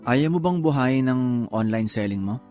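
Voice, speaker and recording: A man's voice: mid-range voice, lively intonation, moderate pace, darkish tone, faint music behind, natural voice. A man playing a young new father and probing fiancé in a Tagalog radio drama. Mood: concerned, questioning.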